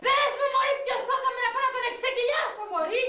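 A woman plays a blustering brother who rants about revenge in a very high, bright voice. The recording rings with the echo of a bare room. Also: lively intonation. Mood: demanding. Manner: blustering, vengeful, mock-grandiose. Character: hot-headed Cretan brother bent on revenge. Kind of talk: comic dub acting. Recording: echoey room.

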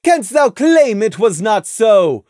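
A stern royal mare who speaks in thee and thou, pitched high and loud, as a reader puts her on. Her speech swings widely in tone, imperious and commanding. The recording is dry and close. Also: very animated, takes it slowly, no room sound. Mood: demanding. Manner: archaic formal speech, commanding. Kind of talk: audiobook reading of fan fiction.

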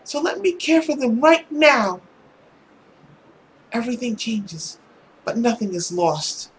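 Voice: mid-range voice, sing-song, slow, slight background noise, pitched above the performer's own voice. A performer voicing an earnest, devoted young usher from a visual novel. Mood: earnest, tender.

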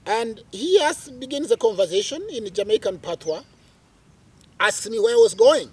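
A middle-aged man from Uganda, a guest in an interview, telling his life story in a dramatic, animated way, with many fillers, recorded outdoors under a tree on a lapel mic. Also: high voice, normal speed, slightly rough.

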